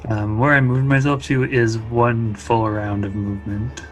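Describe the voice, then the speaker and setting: Mid-pitched man chatting at a tabletop game. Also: flat delivery, a little slow, faint music behind. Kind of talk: casual game table talk.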